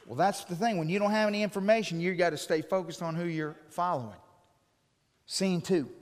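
A man with a notably high voice delivers a sermon full of comic stories, animated and playful in his timing. The sound carries the long, ringing reverb of a big hall. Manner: animated, jokey anecdotal delivery. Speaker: preacher. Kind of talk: humorous sermon storytelling.

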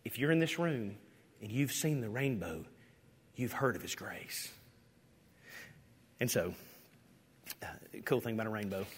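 A man preaching a sermon as pastor, animated and swinging from loud to hushed. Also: medium pitch. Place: church sanctuary. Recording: echoey hall with long reverb.

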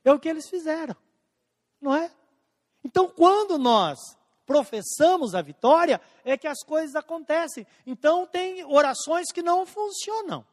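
A man preaching a sermon as pastor, slowing down and stretching out scripture quotes, swinging between emphatic and hushed lines. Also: extremely high pitch, expressive. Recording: long hall reverb.

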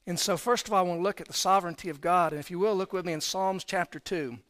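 High-voiced preacher man. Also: fast talker. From Texas, raised in Florida. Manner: conversational, swings from quiet to loud emphasis. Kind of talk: sermon with personal storytelling.

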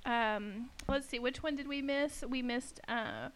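A woman's voice: sits high, a little slow. A woman co-hosting a casual faith chat, friendly and chatty. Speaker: co-host.

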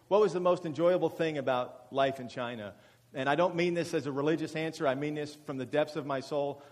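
A man in his forties speaks as a guest at a church, chatty and self-deprecating, stumbling over his words now and then. His voice sits a little high for a man. The room rings with a long, hall-like echo. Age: 40s. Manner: chatty and self-deprecating, with frequent fillers and restarts. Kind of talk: testimony talk to a congregation.

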